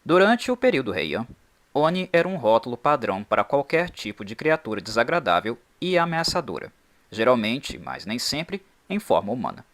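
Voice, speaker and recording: A man hosting a channel, reading a scripted explainer in an expressive, emphatic way. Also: medium pitch, normal speed. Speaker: channel host.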